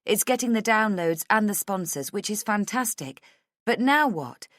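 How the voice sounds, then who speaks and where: A woman's voice: medium pitch, expressive, normal speed, fairly bright tone, no echo, studio quality, voice pushed up, lightly acted. A woman voicing an insistent, defensive female podcaster who argues and pleads, in audiobook dialogue. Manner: pleading, argumentative.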